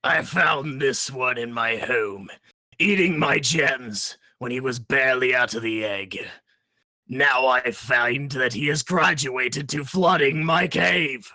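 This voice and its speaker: Slow, gravelly, menacing dragon. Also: male voice, bright, forceful tone, dry recording, heavily acted. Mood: angry accusation. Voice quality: gravelly, booming. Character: huge ferocious old green male dragon, disdainful, menacing. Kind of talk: dramatic audio story acting.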